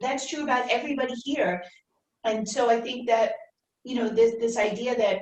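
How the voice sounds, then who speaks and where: This woman has a high-pitched voice and a New York accent. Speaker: networking group member. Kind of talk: group discussion. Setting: meeting room with video call. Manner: animated.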